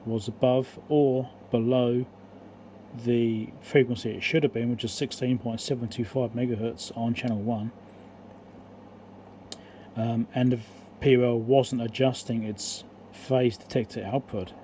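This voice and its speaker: Mellow-voiced man explaining electronics repair casually. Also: medium pitch, fairly even intonation, a little slow, a little hiss or hum. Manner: rambling, matter-of-fact, thinking aloud.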